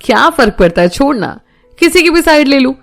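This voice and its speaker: A woman's voice: high-pitched, sing-song, fairly quick, soft background music, voice pushed up. A woman voicing a young man who jokes easily with his cousin and friend. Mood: joking.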